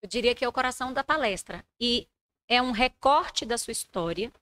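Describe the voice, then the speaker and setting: A woman teaching public speaking in a calm, didactic way, finishing her co-host's sentences. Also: fairly high pitch, moderate pace. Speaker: speaking coach. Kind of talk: instructive conversation. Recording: long hall reverb.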